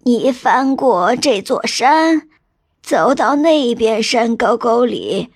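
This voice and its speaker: A woman voicing a kindly white-bearded old man in a storybook folk tale, speaking slowly and soothingly. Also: fairly high pitch, expressive, husky, no room sound, studio quality, exaggerated voice. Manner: slow, soothing, drawn-out. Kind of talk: storybook narration.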